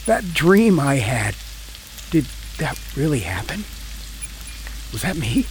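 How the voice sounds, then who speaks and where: A man's voice: a little high, slight background noise. A man playing a volatile, out-of-work, drinking husband who swings between rage and pleading, and also narrates the story in the first person.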